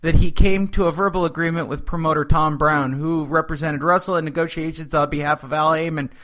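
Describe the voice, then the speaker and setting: Sarcastic bright-voiced man. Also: fairly high pitch, fairly even intonation, brisk. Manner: sarcastic, reads news items with running jokes. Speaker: podcast host. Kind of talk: casual boxing news chat.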